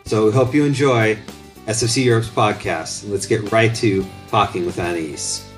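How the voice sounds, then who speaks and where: A man's voice: lowish voice, moderate pace. A man hosting an interview podcast, asking open questions in a friendly, encouraging way. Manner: friendly, encouraging, with short backchannel responses. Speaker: podcast host. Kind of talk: conversational interview. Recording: guitar music faintly behind.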